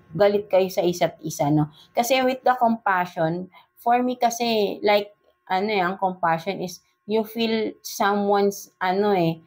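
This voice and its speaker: With a mid-range voice and darkish tone, a Filipino-accented woman reads tarot casually in Taglish. She's chatty and slow, leaning on fillers and tagging lines with "no?" and "right?".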